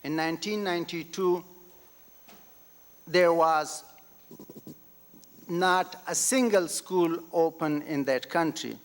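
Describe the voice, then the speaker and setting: Slow-speaking Afghan-accented man in a hall. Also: on the high side, clear, resonant tone. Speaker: nonprofit founder speaking at an event. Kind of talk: public speech, factual account. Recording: long hall reverberation.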